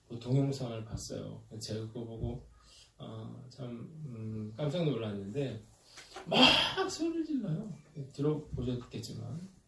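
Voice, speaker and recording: A man's voice: medium pitch, gravelly, darkish tone. A male pastor preaching a sermon, talking in a conversational way with many hesitations and leading his congregation in call-and-response. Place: church sanctuary. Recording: roomy church hall, mic at a distance, faint noise.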